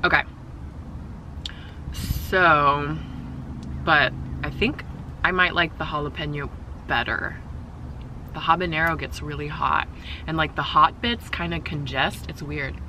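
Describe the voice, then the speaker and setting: A woman's voice: sits low, steady tone, measured pace, pauses often, noisy background. A woman in her thirties vlogging from inside a parked car, chatting effusively about her food and cooing at her cat. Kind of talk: casual food-tasting vlog chat. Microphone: camera mounted on the dashboard.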